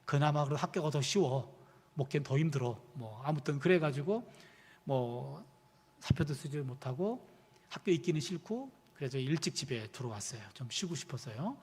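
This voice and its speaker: A man's voice: a little high, normal speed, slightly rough. A man in his fifties, a pastor and professor, preaching a sermon full of personal stories and acting out the dialogue. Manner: animated storytelling, acting out quoted dialogue. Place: church sanctuary. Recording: long reverb of a church hall.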